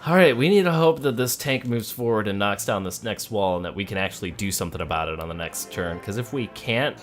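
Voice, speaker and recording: A man's voice: lowish voice, animated, fast, faint music behind. A man giving casual let's play commentary on a video game, thinking aloud and talking to the characters as he plays. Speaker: gamer playing a video game.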